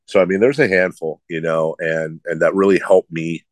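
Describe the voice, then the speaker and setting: A man's voice: deep voice, fairly even intonation, moderate pace, no echo. A middle-aged man who hosts sports radio, with a slight lisp and a nasal, droning voice, answering interview questions in a rambling, self-deprecating way.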